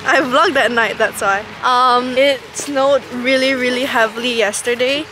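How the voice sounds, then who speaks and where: A woman's voice: fairly high pitch, unhurried. A young woman from Malaysia chatting casually and giggling as she vlogs with a handheld camera. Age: young adult. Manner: giggly, chatty, often whispers at night. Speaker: vlogger. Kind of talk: casual vlog chat. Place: outdoors in snow and campus halls. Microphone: handheld camera at arm's length. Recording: noisy outdoor camera audio.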